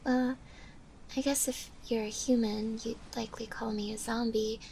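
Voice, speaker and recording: Gentle undead zombie girl for ASMR roleplay, woman performer: whispery, bashful, hesitant, higher-pitched, with creaky vocal fry. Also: fairly even intonation, a little hiss or hum, poor audio. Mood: shy, hesitant. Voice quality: soft, breathy, often whispering. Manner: hesitant, bashful, halting with small giggles.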